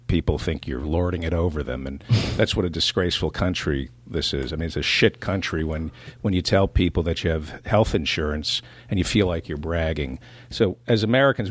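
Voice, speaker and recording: A middle-aged man from New Jersey, a comedian guest on a casual podcast, trading sardonic, self-mocking jokes in a dry deadpan. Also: low-pitched, dry recording.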